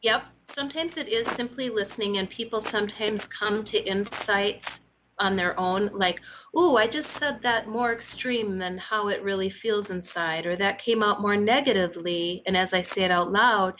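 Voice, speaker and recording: Woman, therapist, thoughtful, gentle, faint background noise. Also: medium pitch, poor audio. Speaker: guest, therapist. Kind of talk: reflective interview answer.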